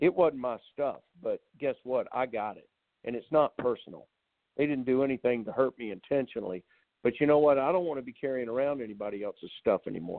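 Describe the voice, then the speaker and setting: The man has an ordinary speaking voice. His pitch sits in the medium range with ordinary variation. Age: 60s. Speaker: addiction recovery center founder. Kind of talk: interview.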